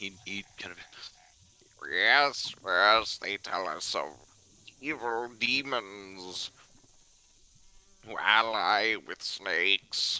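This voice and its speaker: Using a put-on character voice, a man speaks at a fairly low pitch and a very slow pace, leaving long, frequent pauses. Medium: actual play. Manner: hesitant, repeats himself.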